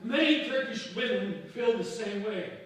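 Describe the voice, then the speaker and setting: Anxious older professor played by a man, high, echoey. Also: animated, measured pace. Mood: alarmed, pleading. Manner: hesitant, pleading, paternal. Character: anxious older professor and father, placating, reasoning. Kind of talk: dramatic staged reading. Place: theatre space at a staged reading. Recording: very echoey hall, distant mic.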